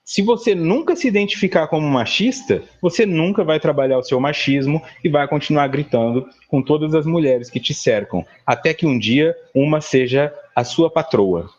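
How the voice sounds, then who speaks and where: A man's voice: a little high, moderate pace, few pauses, a little mellow, lo-fi sound. A male psychologist leading a spiritual study class, explaining a text in a conversational way and often checking in with his listeners. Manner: conversational, frequent "tá?" tag questions; explains a read text with everyday examples.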